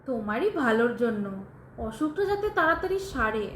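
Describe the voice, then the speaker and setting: Echoey, high-pitched anxious wife, acted by a woman. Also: big pitch swings, normal speed. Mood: worried. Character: anxious, dutiful young wife, pleading and fearful. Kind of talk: audio drama acting. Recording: echoey room, faint background noise.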